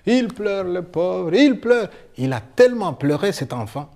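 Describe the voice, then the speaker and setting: A man telling a folk tale live and leading the audience in a sing-along, with expressive sweeping delivery. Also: high-pitched, a little slow, gravelly. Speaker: storyteller.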